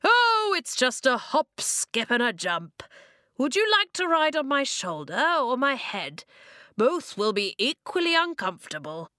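A woman's voice: high-pitched, very animated, measured pace, sharp tone, no echo, studio quality, voice pushed up, exaggerated voice. A woman voicing a dramatic stone man who becomes a giant, wailing and theatrical. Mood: breezy.

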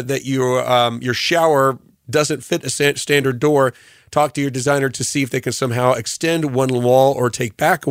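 A man hosting a morning radio show, his voice hoarse from allergies, rambling through tips with lots of ums and uhs. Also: medium pitch, no room sound, studio quality. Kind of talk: radio show recap, casual talk. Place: radio studio.

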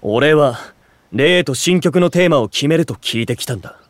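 A man's voice: a little high, lively intonation, moderate pace, no room sound, close to an everyday voice. A man playing a stern, distrustful young older brother in a voice drama, curt, haughty and formal, protective and aloof. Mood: irritated. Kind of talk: Japanese voice drama acting.

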